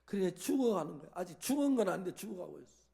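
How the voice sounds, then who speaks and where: Higher-voiced pastor telling a story. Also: male voice, big pitch swings, racing, gravelly. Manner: storytelling, acting out dialogue with swings in loudness. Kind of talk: sermon.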